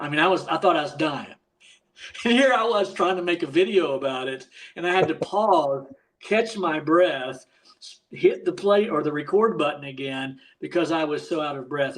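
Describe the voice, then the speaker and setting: A man with a plain, everyday voice talks at a moderate pace with fairly high pitch and lively intonation. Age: 50s. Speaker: podcast co-host for pressure washing business owners. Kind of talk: casual podcast chat.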